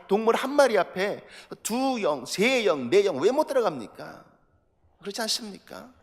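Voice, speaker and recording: A middle-aged man preaching in a church, his fairly high voice carrying a long reverb through the sanctuary. He keeps putting rhetorical questions to the congregation and pushes up into forceful, emphatic runs. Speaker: pastor. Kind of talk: sermon.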